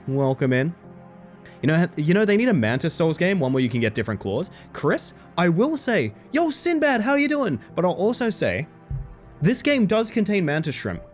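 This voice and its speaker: A man streaming a video game, slightly hoarse, talking to his chat in an animated, joking way. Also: fairly high pitch. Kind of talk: casual live-stream chat.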